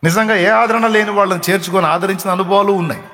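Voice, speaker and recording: A man's voice: high voice, steady tone, fast, pushed and bright. Fervent preacher man in echoing hall. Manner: emphatic, repeats phrases, acts out comforting words. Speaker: pastor. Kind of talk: sermon. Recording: reverberant hall sound.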